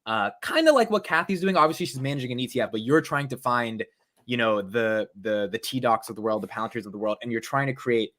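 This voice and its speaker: A man's voice: mid-range voice, lively intonation, fast, a bit bright. A man hosting a podcast, eagerly firing questions at his guest in casual chat. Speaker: host.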